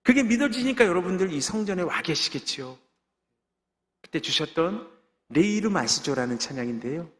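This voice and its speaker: A man's voice: high voice, lively intonation, normal speed, fairly bright tone. A middle-aged man, a pastor, giving an emphatic testimony sermon in a church sanctuary, punctuating points with amens. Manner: emphatic preaching with frequent amens and call-and-response. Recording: long reverb of a church sanctuary.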